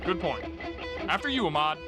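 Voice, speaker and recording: A man's voice: a little high, big pitch swings, normal speed. A man playing a mouthy, irritable and sarcastic gamer teammate in a comedic cartoon, griping in slang. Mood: wry. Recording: loud music behind the voice.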